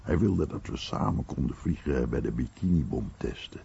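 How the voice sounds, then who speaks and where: A man playing an American war veteran in a radio play, recalling his comrade reflectively in a gravelly voice. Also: rumbling low, expressive, moderate pace, mellow, exaggerated voice. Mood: wistful reflection. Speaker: voice-over of a veteran's testimony. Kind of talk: documentary radio play monologue. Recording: dull, noisy radio recording.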